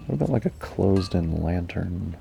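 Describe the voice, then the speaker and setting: A man giving calm gaming commentary, musing slowly and mellowly to himself. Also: sits low, vocal fry, slight background noise. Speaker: gamer.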